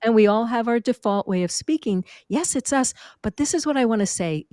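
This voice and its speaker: A woman from New York, a speaking and vocal coach, chatting as a guest on a podcast with an expressive, lively teaching manner. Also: fairly high pitch, a little fast, dry recording, studio quality. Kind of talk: conversational podcast interview.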